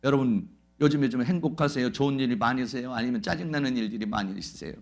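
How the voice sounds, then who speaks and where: A man's voice: mid-range voice, quick pace, gravelly. A male pastor preaching a Sunday sermon, fervently proclaiming declarations and answering his own questions. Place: church Sunday service.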